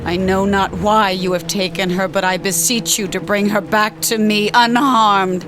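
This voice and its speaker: An actress playing an imperious cult mistress in a horror audio drama, intoning archaic incantations in a commanding manner. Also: female voice, mid-range voice, fairly even intonation, unhurried, music in the background, natural voice. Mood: solemn chanting. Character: imperious female cult mistress summoning a spirit.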